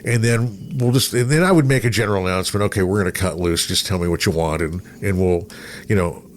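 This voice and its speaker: A man's voice: low voice, fast. A middle-aged man chatting casually and telling anecdotes, acting out bits of remembered dialogue. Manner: storytelling, acts out quoted remarks. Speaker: radio personality, podcast guest. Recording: noticeable background noise.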